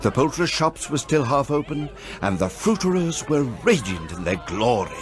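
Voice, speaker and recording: A man's voice: medium pitch, sing-song, moderate pace, soft background music, lightly acted. A man narrating a radio drama as a theatrical storyteller, relishing each descriptive phrase.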